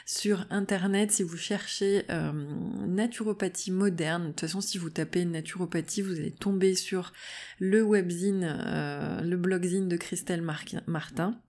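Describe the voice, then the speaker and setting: A woman's voice: fairly low pitch, fairly even intonation, measured pace, darkish tone. A woman hosting her own podcast as a naturopath, talking casually with many fillers and restarts. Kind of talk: casual solo podcast talk.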